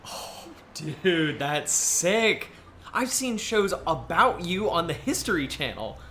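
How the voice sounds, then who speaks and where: Casting: friendly young male Yeti tour guide played by a man, bright, lively, chatty, light noise behind. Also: a little high, slow pace, full character voice. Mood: curious, excited. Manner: chatty, earnest, enthusiastic explainer. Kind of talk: audio drama dialogue.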